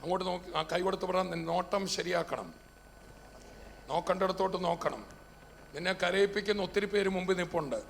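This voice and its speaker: Delivering a fervent sermon to his congregation, this preacher speaks fast in a high, creaky voice that rises and falls in loudness. The recording carries hall reverb and some faint background noise.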